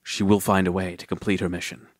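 A man's voice: sits low, flat delivery, fast talker, no room sound, studio quality. A man playing a grandiose science fiction narrator, dramatic and mock-solemn, in a scripted audio drama. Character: grandiose male sci-fi narrator.

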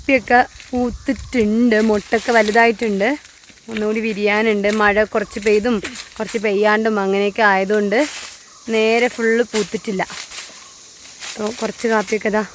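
A woman's voice: medium pitch, flat delivery, fairly quick, a little hiss or hum. A woman chatting to viewers while climbing a hillside plantation with her small daughter, a little out of breath. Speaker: vlogger and mother. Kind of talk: casual vlog narration while walking.

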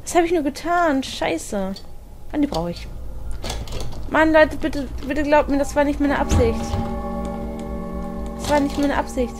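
Excitable woman narrating a horror game. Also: high voice, slow pace, pauses often, music in the background. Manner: excitable and chatty, talks to herself, swears. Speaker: let's play gamer.

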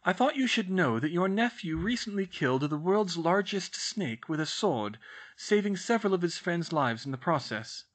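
A man voicing a stern, formal older woman professor who speaks in a crisp, clipped, disapproving way. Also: sits high, big pitch swings, moderate pace, fairly bright tone, pitched above the performer's own voice, heavily acted.

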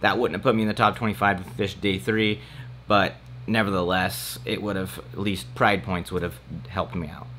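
Bright-voiced man recapping a fishing tournament. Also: deep voice, level tone, moderate pace, a little hiss or hum. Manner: plain, matter-of-fact, candid self-critique. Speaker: fishing vlogger.

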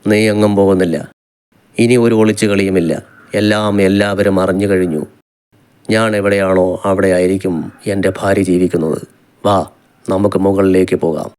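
Man doing a bossy but sweet young husband in a romance audiobook, low flat voice. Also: normal speed, pauses often, smooth, lightly acted. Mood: firm. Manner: commanding, then gently coaxing.

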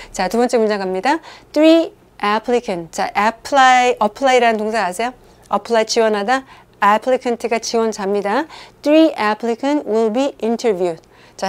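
Brief: woman English teacher, fairly high voice, animated quizzing delivery, slow clear English examples. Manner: lively, coaxing, asks students questions and answers them. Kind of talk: online grammar lecture.

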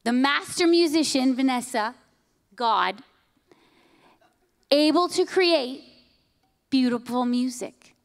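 A woman in her forties preaching a sermon on a church stage into a handheld mic, emphatic, often dropping to hushed lines. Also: sits high, takes it slowly, pauses often. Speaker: pastor. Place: church stage, large hall.

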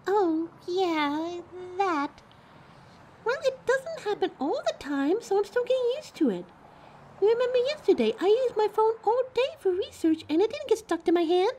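A woman's voice: very high-pitched, very animated, normal speed, darkish tone. A woman playing a flustered, defensive young thief with electric powers in an audio drama, chatty and indignant. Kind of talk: scripted audio drama, one side of a phone call. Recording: clear background noise, coffee house ambience.

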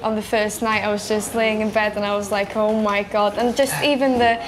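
A young woman from Wales telling a story in an animated, casual way in a pub. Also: medium pitch, fairly quick, rough recording. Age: young adult. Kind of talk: casual chat. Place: indoors in a pub. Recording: crowd chatter behind.

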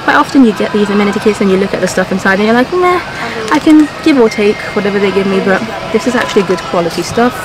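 A woman's voice: mid-range voice, lively intonation, fast, few pauses, rough recording. A young woman vlogging from an airplane seat, chatty and enthusiastic as she shows things to camera, filmed at arm's length. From Persian-speaking family. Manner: chatty and enthusiastic, easily impressed. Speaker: travel vlogger. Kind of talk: casual travel vlog chat to camera. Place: airplane business class cabin. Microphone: handheld camera at arm's length. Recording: background music under the voice.

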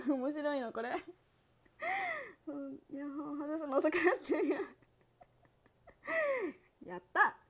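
A young woman hosts a relaxed idol livestream, chatting with viewers and reading out their comments. Her voice sits high and moves slowly with frequent pauses, and she's bubbly, giggling and laughing often.

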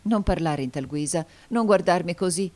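A woman's voice: low voice, moderate pace, darkish tone, close to an everyday voice. A woman voicing a young woman, an anxious and devoted lover, in an audiobook reading, pleading and often rising toward anguished cries. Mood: frightened.

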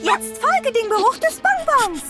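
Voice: very high voice, big pitch swings, a little slow, full character voice. A performer voicing a confident, eager little girl who gives commands to her pet in a children's cartoon. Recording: loud music behind the voice.

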